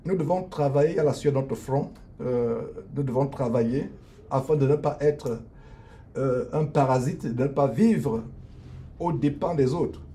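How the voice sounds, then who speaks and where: A middle-aged man with a mellow, dark voice preaches on an unscripted live stream. He speaks in an earnest, preachy way, stalling often on long fillers and restarting his sentences. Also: mid-range voice. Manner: hesitant, many drawn-out fillers and restarts. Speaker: lawyer and online minister. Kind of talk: improvised live stream, answering viewers. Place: his law office at lunch break.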